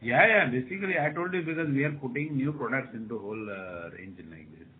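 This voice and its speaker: A man's voice: expressive, a little fast. A man with an Indian accent, a company executive giving unscripted answers on a conference call, repeating himself for reassurance. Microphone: telephone conference line. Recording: noisy narrowband phone line with rumble.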